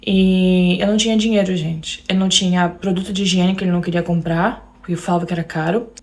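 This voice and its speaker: A woman's voice: on the low side, fairly even intonation, fast. A young Brazilian woman with a Brazilian Portuguese accent, telling her own story to an audience in an emotional way and often speaking straight to the listeners. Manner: emotional, keeps addressing listeners directly.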